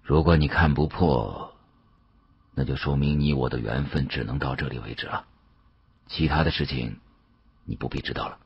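A man voicing a shrewd senior bureau chief in an audiobook, genial and testing, with unhurried, teasing authority. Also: extremely low pitch, husky, dry recording, dull audio, full character voice. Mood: coolly commanding.

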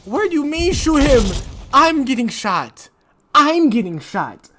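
A young man streaming a shooter game on a headset, loud, excitable and profane in his commentary. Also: very high voice, a little slow, slight background noise. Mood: excited. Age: young adult. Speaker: gaming streamer. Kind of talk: casual gameplay commentary.

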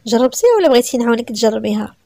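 A brooding, jealous young man, as a woman narrator puts him on, quick to suspicion. His voice is fast and gravelly with a dark, mellow tone and a Moroccan accent. Told as a spoken story. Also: a little high, no room sound. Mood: suspicious. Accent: Moroccan Arabic.

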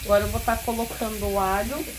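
A woman with a Paraná Brazilian Portuguese accent talks fast and flatly in a mid-range voice as she casually narrates her cooking, step by step, frequently checking in with viewers. She is in a home kitchen with a wood stove, filmed on a phone camera, and the background is noisy with food sizzling.

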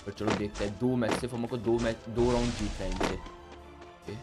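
A young man with a sore throat, commentating his own gameplay in Hindi-accented speech, yelping when surprised and otherwise keeping his voice low. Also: fairly quick. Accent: Indian Hindi. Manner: excitable, yelps loudly when surprised, speaks softly to spare his throat. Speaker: gaming YouTuber. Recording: game music and gunfire behind.

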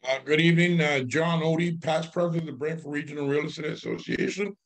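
An older man with a slightly hoarse, raspy voice introducing himself on a video call. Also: fairly high pitch, fairly even intonation, quick pace. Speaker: realtor, committee member.

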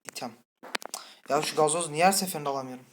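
A woman playing a horror game and commenting with a Turkish accent, chatty and full of swearing, breaking into startled high shrieks. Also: fast talker, a little hiss or hum. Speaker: gaming channel host. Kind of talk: let's play commentary. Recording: faint game music behind.

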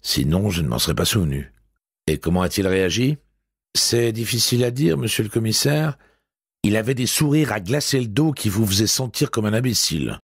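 A jittery, overly polite hotel clerk in an audiobook, played by a man who lifts his gravelly, husky voice higher. He answers with eager deference and sounds flustered. The recording is close and dry. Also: expressive, a little fast, no echo. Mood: deferential. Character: nervous male hotel receptionist, deferential.

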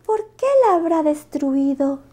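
A woman voicing an eager young male wolf cub in a storybook, speaking excitably. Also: high voice, unhurried, voice pushed up. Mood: hopeful.

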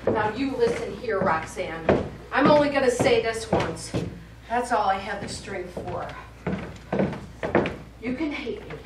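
A woman's voice: a little high, lively intonation, unhurried, long pauses. A woman acting a frantic, worn-out ventriloquist with theatrical emotion in a live stage play. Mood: weary, pleading. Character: frantic, worn-out female ventriloquist unravelling before a show. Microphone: far camera. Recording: distant noisy echoey stage camera recording.

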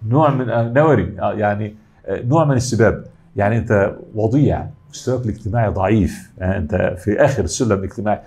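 A man's voice: fairly low pitch, very fast, a little mellow, breathy edge. A middle-aged man with an Egyptian accent giving an academic lecture, explaining step by step and answering his own questions. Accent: Egyptian Arabic.

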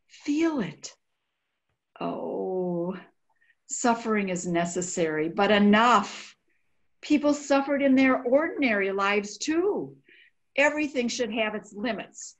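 An older woman gives a dramatic, emotional, halting reading of a diary. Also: mid-range voice. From United States. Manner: emotional, halting, sighing delivery. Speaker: volunteer diary reader. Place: indoor room by a window.

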